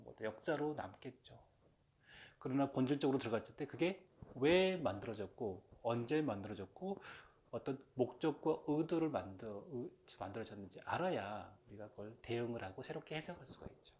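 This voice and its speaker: A man's voice: mid-range voice, darkish tone. A man hosting his own channel, giving a casual, rambling lecture on folk religion with lots of fillers and joking asides. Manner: rambling and chatty, with many fillers and self-aware jokes; playfully mimics regional dialects. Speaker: channel host talking about folk religion.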